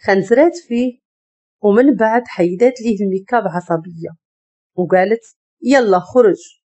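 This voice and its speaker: Husky Moroccan woman narrating a story. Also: mid-range voice, fairly quick. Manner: expressive, dramatic storytelling.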